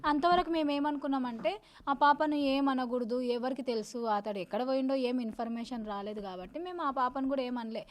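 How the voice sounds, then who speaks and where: A woman, talking in an interview, rapid and insistent, repeating herself as she tells what happened. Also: high voice. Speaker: victim's sister interviewed. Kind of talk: emotional interview testimony.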